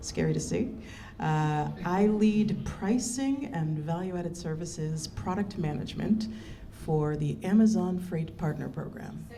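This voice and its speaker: Recorded with noticeable background noise and audible room echo, a woman with an American accent speaks at a fairly slow pace, her fairly low pitch carrying lively intonation. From United States. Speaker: product manager. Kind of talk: live podcast panel discussion.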